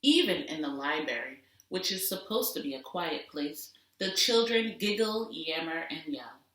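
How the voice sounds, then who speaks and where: A woman teacher giving an expressive storybook read-aloud for children, deliberate and with dramatic emphasis. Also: deep voice. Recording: roomy echo, distant microphone.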